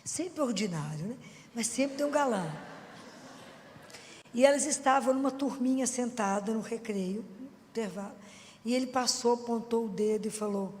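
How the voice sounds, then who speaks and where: A woman's voice: on the high side, moderate pace, pauses often, darkish tone, big-room sound, slight background noise. A woman with a Minas Gerais accent preaching informally to an audience, chatty and full of rhetorical questions. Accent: Minas Gerais Portuguese. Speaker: Christian speaker.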